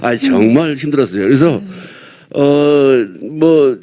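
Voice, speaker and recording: At a press event, a seasoned actor from Seoul, South Korea, now an older man, talks casually in a rambling, self-deprecating way, chuckling softly between thoughts. He speaks slowly in a warm, medium-pitched voice.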